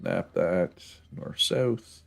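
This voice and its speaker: A man with a very low, gravelly voice talks his way through a building game, thinking aloud and correcting himself. His nose is a bit stuffed up, and he chuckles now and then. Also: very slow. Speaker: streamer playing a factory-building game. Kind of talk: casual gameplay commentary.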